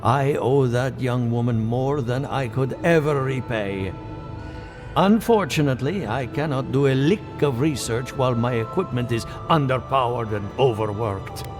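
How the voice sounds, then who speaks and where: An actor playing a courteous, preoccupied researcher in a fantasy game, speaking formally and articulately. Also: male voice, mid-range voice, moderate pace, natural voice. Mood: welcoming, harried. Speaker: game character. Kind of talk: scripted video game dialogue. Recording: game music behind the voice.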